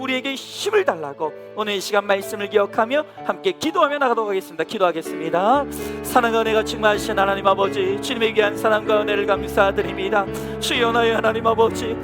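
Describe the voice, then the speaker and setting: A male pastor preaching and leading a spoken prayer in church, with a repetitive, pleading cadence. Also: very high voice. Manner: hushed, quiet prayer. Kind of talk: sermon and fervent spoken prayer. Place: church sanctuary. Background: music.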